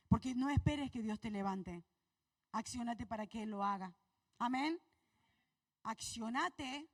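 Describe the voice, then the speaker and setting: A woman pastor with an Argentine accent preaching a sermon to her congregation, asking questions and swinging between soft and loud. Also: high voice, dry recording, recorded from a distance. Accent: Argentine Spanish. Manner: preaches to the congregation with rhetorical questions, voice rising and falling. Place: church hall.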